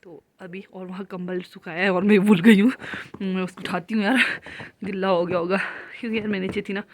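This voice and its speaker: Fast-talking, breathless young woman vlogger. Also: medium pitch, steady tone, a little hiss or hum. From Kinnaur, India. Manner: fast, nonstop chatty talk, slightly out of breath. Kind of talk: casual vlog talk to camera. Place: home in heavy snowfall, moving indoors and out. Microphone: handheld phone.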